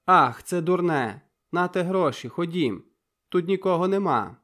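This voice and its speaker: A man voicing a flustered, excitable young woman in an audiobook, with breathless exclamations. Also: a little high, takes it slowly, exaggerated voice. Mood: agitated.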